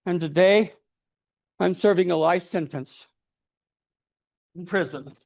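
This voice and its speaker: A man giving a theatrical storytelling speech in a dramatic, deliberate manner, acting out the characters as he goes. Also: high-pitched, vocal fry, darkish tone. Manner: dramatic, deliberate delivery with acted-out voices. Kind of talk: theatrical tall-tale speech.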